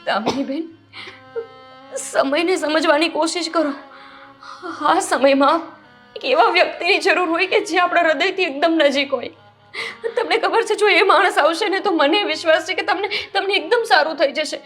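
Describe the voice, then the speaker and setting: An actress voicing a caring, anxious sister-in-law who coaxes and pleads. Her voice is high. Soft music runs underneath. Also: normal speed. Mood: coaxing. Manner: pleading, coaxing. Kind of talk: family drama acting.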